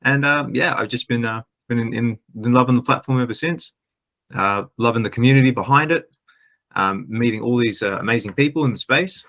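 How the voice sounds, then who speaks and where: Bright-voiced Australian man, hesitant. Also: medium pitch, fairly quick. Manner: hesitant, filler-heavy, friendly. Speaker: guest panelist. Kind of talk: casual chat.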